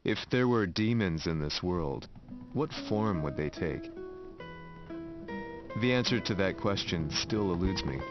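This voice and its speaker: A man's voice: low voice, expressive, unhurried, long pauses. A man narrating as a war journalist in a video game, somber and reflective. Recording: muffled game audio with music.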